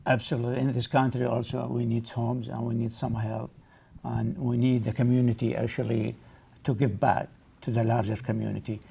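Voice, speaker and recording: A man hosting and moderating a group discussion, prompting people briskly and acknowledging them in short phrases. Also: medium pitch, little pitch movement, vocal fry, warm tone, breathy edge. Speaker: host.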